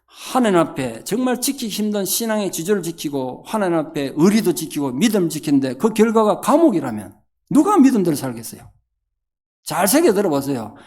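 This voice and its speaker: A middle-aged pastor delivers a revival sermon. His voice sits high for a man and leaps up and down with feeling. He tells stories and acts out the lines of the people in them. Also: brisk. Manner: animated storytelling, acting out quotes.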